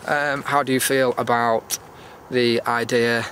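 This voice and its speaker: Medium in pitch and level in tone, a British man's slightly bright voice moves at a slow pace. He's a YouTube vlogger hosting a chatty, meandering walk-and-talk, rambling casually on a cold evening outdoors amid clear background noise.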